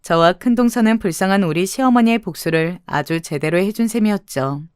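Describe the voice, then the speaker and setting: A woman reading a dramatized true story as narrator in an even, expressive scripted style. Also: mid-range voice, fairly quick, clear, resonant tone, no room sound, studio quality.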